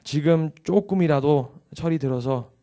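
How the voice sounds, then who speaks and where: A young man pastor with a somewhat high but mellow voice delivers a dawn sermon. He tells his own story openly and confessionally, then urges his listeners earnestly. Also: unhurried. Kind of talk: dawn service sermon with personal testimony.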